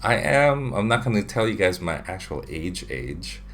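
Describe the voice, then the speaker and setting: A man's voice: low voice, sing-song, normal speed, fairly bright tone. A man in his thirties from the Philippines, hosting a casual livestream from his home room and answering viewer questions with lots of fillers. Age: 30s. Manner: chatty, reads viewer questions aloud with many fillers. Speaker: livestream host, drawing channel. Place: home room with shelves of figures. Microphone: webcam at desk.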